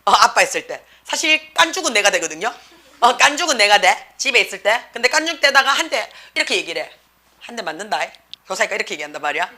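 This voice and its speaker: Woman, 40s, Gyeongsang Korean accent, English academy teacher; higher, bright and very animated delivery, chatty and teasing, keeps checking in with the class. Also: fast talker. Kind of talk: classroom lecture.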